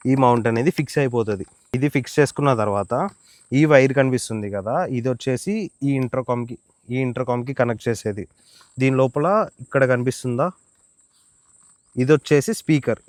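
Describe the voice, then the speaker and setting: A motovlogger with a Telugu Indian accent reviews and demonstrates gear in a casual, explanatory tutorial, mixing English words into his informal speech. His voice is medium-pitched and a little mellow, and the recording is dry.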